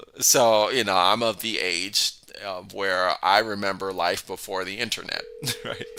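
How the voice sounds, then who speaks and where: In an American accent, a man talks fairly slowly as noticeable background noise continues. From California. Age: 30s. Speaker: philosophy livestream host. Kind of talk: casual livestream chat. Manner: hesitant, many fillers and restarts.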